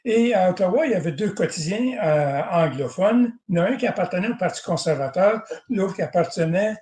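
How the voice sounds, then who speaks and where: An older man speaks in a noticeably high voice. He tells his memories in a digressive way and keeps clearing his throat. His voice echoes around a roomy space. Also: lively intonation, a little fast, darkish tone. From Northern Ontario, Canada. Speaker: guest. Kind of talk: rambling personal recollection.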